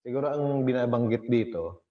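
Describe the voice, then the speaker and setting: A man's voice: mid-range voice, normal speed, narrow, tinny audio. A man hosting a casual gossip vlog, reading posts aloud and laughing often.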